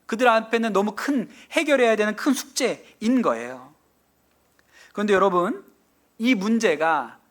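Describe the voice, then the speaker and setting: A middle-aged male pastor delivers a sermon in a church sanctuary. His voice sits high and moves through a wide, animated range. He retells the story, acts out the quoted lines, and puts questions to the congregation.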